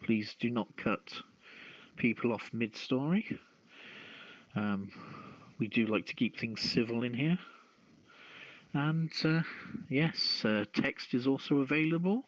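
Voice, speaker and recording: Male host, slow halting delivery, casual news-show style, muffled echoey lo-fi audio. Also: mid-range voice. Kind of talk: reading news and hosting a casual call-in show. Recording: dull, echoey, lo-fi voice chat.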